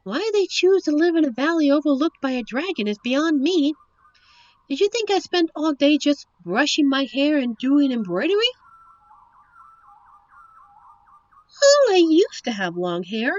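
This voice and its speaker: A woman playing a captive young princess in a roleplay audio drama, witty and wistful, with genteel, formal storybook phrasing and thoughtful pauses. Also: sits high, very animated, no room sound, lo-fi sound. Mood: proud, wry. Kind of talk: roleplay audio drama, one side of a dialogue.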